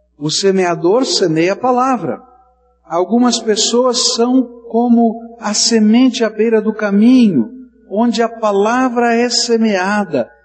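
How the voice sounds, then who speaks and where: A man with an extremely high pitch and ordinary pitch variation, at a fairly slow pace, with music in the background. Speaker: pastor. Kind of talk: expository sermon with scripture reading and closing prayer. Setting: church. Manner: earnest, teacherly preaching pace, building to fervent prayer.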